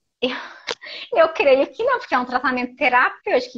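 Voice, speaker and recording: Against a quiet background, a woman speaks at a high pitch and moderate pace. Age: 30s. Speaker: viewer asking a medical question. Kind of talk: live Q&A. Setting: Instagram live stream. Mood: worried, distressed. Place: home room. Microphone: earbuds.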